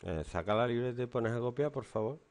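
A man's voice: mid-range voice, fast talker, a little mellow. A stern man, teaching and lecturing a class in a classroom. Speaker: English teacher.

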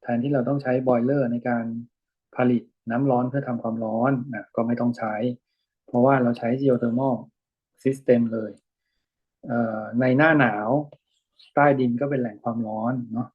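A man talks through a reading in an easy lecture style, stopping often to think aloud. His voice is husky and mid-pitched. The recording sounds dull and lo-fi. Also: steady tone. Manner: thinks aloud, many fillers and pauses. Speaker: lecturer reading an article with students. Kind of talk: relaxed explanatory lesson.

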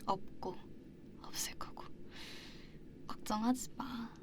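A woman acts out a loving female partner in a whispered role-play for an intimate audio drama. Her voice is soft and breathy, close to the ear. She speaks gently and slowly, with halting, tender phrasing. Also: on the high side, fairly even intonation. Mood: reassuring. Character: affectionate young woman talking to her faraway astronaut partner. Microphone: close binaural microphone.

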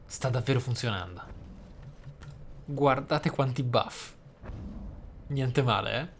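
A man gives roleplay-style commentary on a video game. His voice is medium in pitch, his wording wry and slightly formal. Game sound is clearly present behind him. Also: slow, slight background noise. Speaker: gaming video host.

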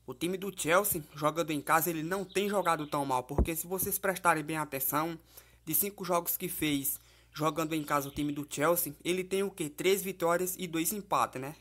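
A man's voice: a little high, normal speed, fairly bright tone. Man, betting-tips voice-over, chatty, keeps tagging questions, talks straight to viewers. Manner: chatty, fillers like "né?" and "beleza?", addresses viewers as "família" and "galera". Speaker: football betting tipster. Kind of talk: casual betting-tips commentary over app screenshots. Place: voice-over, not recorded in the pictured place.

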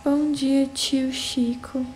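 Drawing out her words, a young Brazilian woman from São Paulo casually hosts a phone livestream, reading viewer comments and greeting people by name. Her voice sits high with little pitch movement and a slightly mellow quality, against a little hiss or hum.

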